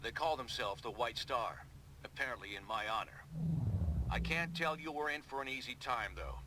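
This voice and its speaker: Guy doing noble superhero commander in a game, mid pitch, earnest rallying talk, noisy background. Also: normal speed, natural voice. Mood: earnest, resolute. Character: noble, steadfast male superhero resistance commander. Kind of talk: video game cutscene dialogue. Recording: steady noise behind the voice.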